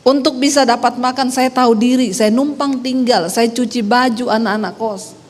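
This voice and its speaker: A woman pastor from Sulawesi with a Sulawesi accent, preaching a sermon as lively storytelling with rising phrase endings. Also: on the high side, normal speed. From Sulawesi, Indonesia. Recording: long reverb of a hall.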